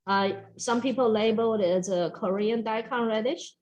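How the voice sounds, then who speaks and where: Lively Taiwanese-accented woman teaching cooking. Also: fairly high pitch, moderate pace. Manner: lively, chatty, emphatic, talks straight to the audience with frequent "okay?". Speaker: extension educator. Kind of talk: cooking demonstration for a workshop.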